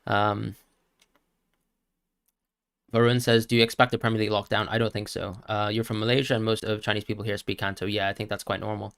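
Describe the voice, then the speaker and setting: Low-voiced young man stammering through stream chat questions. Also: flat delivery, a little fast, vocal fry, pauses often, fairly bright tone, clear, resonant tone, no room sound, studio quality. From Hong Kong. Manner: reads out chat questions and answers them with frequent stammered restarts. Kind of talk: casual live-stream Q&A. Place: home streaming setup with green screen. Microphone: new streaming mic.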